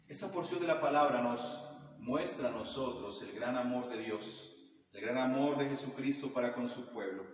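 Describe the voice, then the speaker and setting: Pastor guy preaching, slow reverent scripture reading, echoey hall, mic kinda far with hiss. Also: medium pitch. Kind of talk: sermon.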